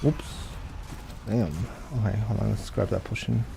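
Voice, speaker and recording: A soft-spoken young man chatting casually while live-streaming a game, reading chat aloud and thinking out loud with a gentle voice. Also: fairly low pitch, fairly even intonation, moderate pace, gravelly, noisy background.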